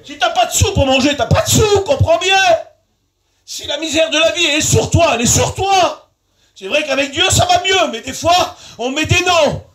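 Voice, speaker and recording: Male pastor, very high voice, fervent revival preaching, repeats phrases, pushes into shouts and sing-song lines. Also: animated, normal speed. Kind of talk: evangelistic sermon. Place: large tent at an evening revival meeting.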